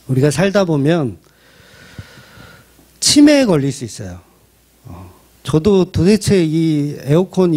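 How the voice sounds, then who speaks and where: A man's voice: sits high, dark tone. A male pastor delivering a church sermon in a conversational way, with rhetorical questions and light humor.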